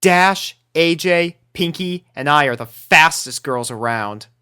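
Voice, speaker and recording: A woman's voice: deep voice, expressive, slow pace, sharp tone, smooth, pitched above the performer's own voice, heavily acted. A woman voicing a confident, easygoing teenage girl in a story reading, in a self-assured manner. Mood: bragging.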